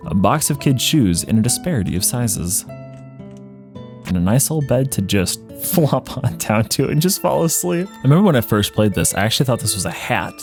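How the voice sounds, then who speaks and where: A man's voice: medium pitch, big pitch swings, normal speed, a little mellow. A man hosting a let's play with casual, chatty commentary on the game. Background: game music.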